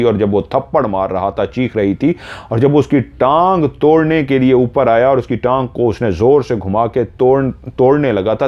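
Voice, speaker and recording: A man narrating a horror story dramatically, rising in pitch and loudness at tense moments, on a dull lo-fi recording.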